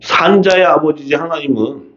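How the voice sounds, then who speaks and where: A man preaching a seminar sermon in a colloquial, animated way, asking rhetorical questions and reading scripture aloud. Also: on the high side, normal speed. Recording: dull lo-fi audio.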